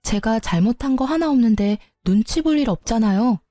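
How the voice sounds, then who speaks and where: A woman's voice: a little high, expressive, brisk, warm tone, dry recording, faint music behind. Woman telling her own story, matter-of-fact, dry close sound. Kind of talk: first-person story narration.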